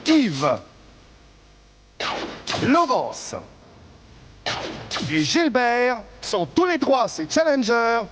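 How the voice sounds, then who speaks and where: A man reading a scripted TV announcement introducing quiz contestants, measured and announcing. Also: extremely high pitch, very animated, background noise. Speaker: TV continuity announcer.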